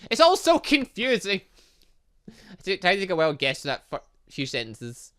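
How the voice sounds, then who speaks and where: A man hosting a gaming video in a bright, lively voice. His pitch moves around a lot as he reasons out loud through the story of the game he is playing. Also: normal speed. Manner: animated, thinking aloud. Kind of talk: let's play commentary, reading visual novel dialogue aloud.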